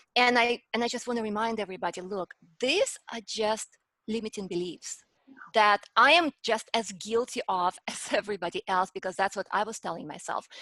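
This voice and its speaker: A woman with a strong non-native accent and a bright, sharp tone speaks at a moderate pace and fairly high pitch with ordinary variation, in a dry, close sound with no echo. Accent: strong foreign. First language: not English. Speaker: speaking coach. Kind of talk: interview.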